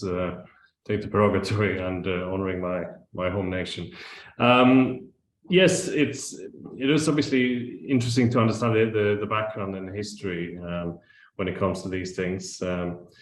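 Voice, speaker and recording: A man from Sweden with a very low voice, speaking on an academic panel. He halts and restarts often as he thinks aloud. His voice rings in an echoey room. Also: a little hiss or hum. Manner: hesitant, many restarts and fillers.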